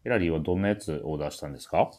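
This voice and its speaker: Fast-talking, low-voiced man hosting. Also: darkish tone. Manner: teasing, bantering with co-hosts. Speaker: show host, MC. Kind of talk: casual radio-style talk.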